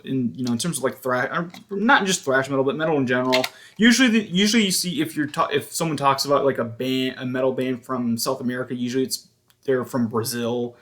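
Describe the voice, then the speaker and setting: A man's voice: medium pitch, a bit bright. A man giving a casual, hesitant show-and-tell commentary as a collector, often stopping to correct himself. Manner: halting, hesitant, self-correcting. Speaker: music collector vlogger.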